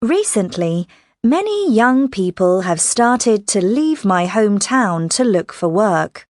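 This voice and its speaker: A woman reading scripted answers and sentences for a listening exercise, in a clear, careful way. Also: mid-range voice, sing-song, slow, a little mellow, no room sound, clean studio sound.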